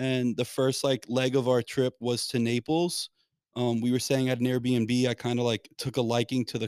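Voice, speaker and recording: A man speaks in a New York accent with flat, monotone intonation, recorded very cleanly against a silent background with a dry, close sound and no echo. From New York City (Queens). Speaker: pizza restaurant owner. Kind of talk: casual interview.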